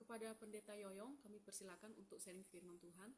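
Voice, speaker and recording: A woman's voice: mid-range voice, fairly even intonation, fast, darkish tone. A woman emceeing formally, her voice faint and distant as if coming through a phone held away from the mic. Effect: faint and distant, as if heard through a phone held away. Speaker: emcee handing over to the preacher. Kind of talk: formal announcing. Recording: faint, echoey, noisy call audio.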